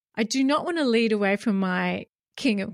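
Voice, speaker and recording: Recorded very cleanly against a silent background, a woman with an ordinary speaking voice talks at a medium pitch with lively intonation. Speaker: podcast host and bridge player. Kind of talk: casual chat.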